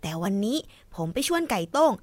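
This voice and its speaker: A woman voicing an inquisitive, blunt young boy who asks lively questions in a children's audio drama. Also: a little fast, dry recording, lightly acted.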